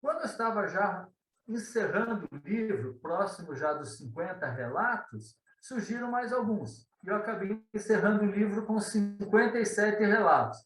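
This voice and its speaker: Guy in his 50s, kinda high voice, rambles and hesitates, echoey room. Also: lively intonation, moderate pace, a bit bright, far from the mic. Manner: meandering, hesitant, frequent tag questions. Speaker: guest, ufology author. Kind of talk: conversational interview storytelling. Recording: roomy echo.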